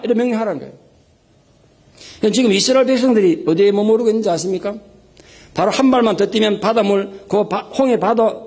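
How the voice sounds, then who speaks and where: A man's voice: high-pitched, darkish tone, husky. A male pastor preaching a Sunday sermon with emphasis, acting out prayers and rebukes in raised tones. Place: church sanctuary. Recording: live sermon recording.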